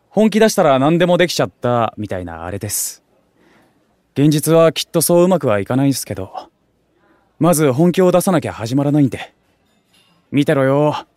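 Male actor as young otaku foodie, excitable, geeky slang, casually polite, mid-range voice, audio drama, dry studio sound. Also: medium pitch, moderate pace, dry recording, close to an everyday voice. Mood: earnest. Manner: geeky slang, exaggerated reactions, casual junior-style politeness. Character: excitable young male otaku food streamer and aspiring idol. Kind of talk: Japanese audio drama acting.

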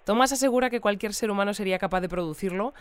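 An actress playing a composed female radio news presenter in an audio drama, speaking in a measured, polite, articulate way. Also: mid-range voice, clean tone, dry recording, natural voice.

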